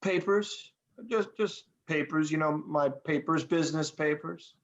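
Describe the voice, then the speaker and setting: A man playing a befuddled, laid-back slacker in a script read, halting and vague, with stammers. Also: on the high side, dull audio. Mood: flustered, vague. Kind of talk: table read of a film script.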